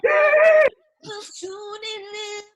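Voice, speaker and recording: A woman's voice: very high voice, drawn-out words, full character voice. An actress playing a nervous, lovestruck woman in a comedy sketch, hesitant and prone to stammering and bursting into song. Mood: belting, singing. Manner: hesitant, stammering when speaking. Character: nervous lovestruck woman who blurts out songs. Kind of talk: virtual staged comedy sketch reading.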